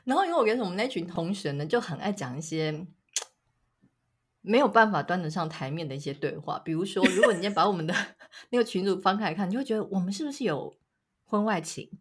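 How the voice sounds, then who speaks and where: A woman's voice: lowish voice, quick pace, slightly rough. A woman in her thirties with a Taiwanese Mandarin accent, co-hosting a casual podcast chat and acting out quoted lines as she tells stories. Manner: animated storytelling, acts out quotes, laughs often. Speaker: podcast co-host.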